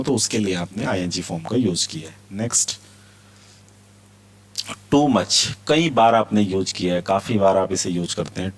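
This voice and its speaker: A man teaching a spoken English lesson, explaining phrases slowly, repeating example sentences and quizzing his learners. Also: on the low side.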